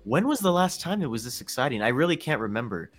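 A man's voice: medium pitch, big pitch swings, fast. A man co-hosting a casual fan podcast, talking earnestly and in detail. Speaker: podcast co-host.

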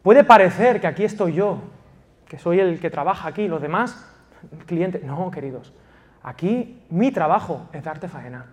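A man from Spain preaching a passionate sermon as pastor of a church, swinging from loud emphasis to quiet intimacy. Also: high-pitched, expressive, a little slow. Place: church in Valencia.

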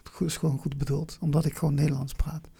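The speaker has a soft, mellow timbre with a marked crackle and a southern Dutch accent. They answer interview questions reflectively, often pausing and repeating words as they search for the right phrasing. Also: mid-range voice, level tone, gravelly, breathy edge. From Venlo, Limburg, Netherlands. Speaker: interview guest.

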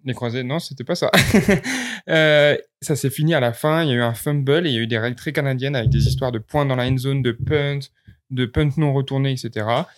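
Brief: Québécois man, easygoing co-host, middle-pitched voice. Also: a little fast. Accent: Québécois French. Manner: relaxed, laughs easily, leads with questions. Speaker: podcast host. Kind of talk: casual interview chat.

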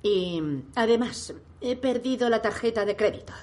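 An actress dubbing a blunt, foul-mouthed older grandmother who shouts and swears when worked up. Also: on the high side, normal speed, close to an everyday voice. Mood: bitter. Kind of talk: Spanish film dub.

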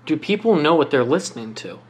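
Interviewer, casual questions, curious follow-ups, medium pitch. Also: sing-song, brisk.

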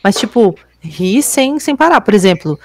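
A woman hosting a podcast, asking questions and telling a story in an animated, casual way. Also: mid-range voice, normal speed, slight background noise. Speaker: podcast host.

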